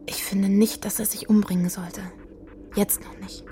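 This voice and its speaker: An actress playing a calm, eerie young woman who whispers softly and persuasively in a radio play. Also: medium pitch, moderate pace, lightly acted. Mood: dreamy. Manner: soft, dreamy persuasive whispering. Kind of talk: radio play acting and narration.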